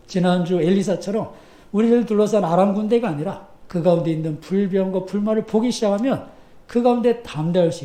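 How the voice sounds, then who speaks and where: A male pastor preaching a sermon in an animated, conversational way, full of rhetorical questions. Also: sits high. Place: church sanctuary. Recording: echoey church sanctuary.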